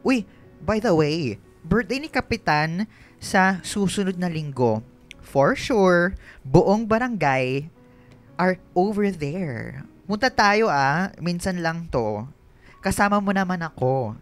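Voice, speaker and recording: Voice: mid-range voice, animated, takes it slowly, pauses often, soft background music. A performer with a Filipino accent playing a flamboyant, bossy young gay man in a radio drama, sassy and campy with affectionate teasing. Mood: excited gossiping.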